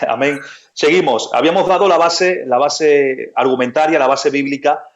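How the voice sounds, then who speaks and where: A man's voice: on the high side, moderate pace, lo-fi sound. A man co-hosting a religious talk, chatting and affirming with amens. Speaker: co-host preacher. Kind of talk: casual religious chat.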